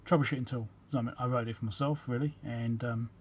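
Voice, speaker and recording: A man's voice: mid-range voice, steady tone, fast talker, husky. A man giving a casual technical explanation as a repair video host, rambling and matter-of-fact as he thinks aloud.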